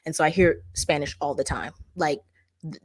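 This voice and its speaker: A woman from the Bay Area with an African American Vernacular English accent, hosting a casual livestream and chatting with viewers, full of "like" fillers and animated asides. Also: deep voice, moderate pace, husky, dry recording, studio quality. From California Bay Area. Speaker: livestream host. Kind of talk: casual livestream chat, reading viewer comments.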